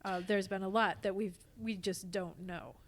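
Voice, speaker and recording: A woman's voice: medium pitch, steady tone, moderate pace, slight background noise. A woman speaking as a podcast guest, explaining her thoughts in a casual, thoughtful conversational way. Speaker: podcast guest, stage actor.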